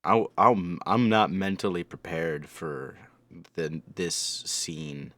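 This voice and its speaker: Male reaction host, deep voice, casual, rambling, halting, joking, dry recording. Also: fairly bright tone, dry recording. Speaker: anime reviewer and reaction host.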